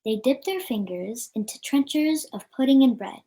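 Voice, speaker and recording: Higher-pitched female storybook reader. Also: lively intonation, normal speed, dark tone. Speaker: storyteller reading a book aloud. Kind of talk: read-aloud storybook narration.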